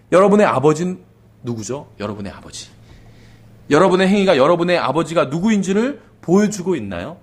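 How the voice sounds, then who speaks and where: Lively, quick-talking male pastor preaching. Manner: conversational preaching, often asks the congregation "그렇죠?"; drops to a soft low voice at the ends of phrases. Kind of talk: sermon.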